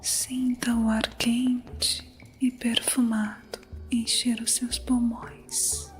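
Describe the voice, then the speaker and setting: A woman narrating an ASMR guided meditation in a soothing, unhurried manner. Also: a little high, little pitch movement. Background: music.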